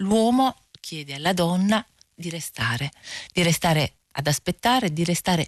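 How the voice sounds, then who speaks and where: A woman at a fairly slow pace, in a dry, close sound with no echo and a very clean recording with a silent background. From Caserta area, southern Italy. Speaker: writer. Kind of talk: radio interview.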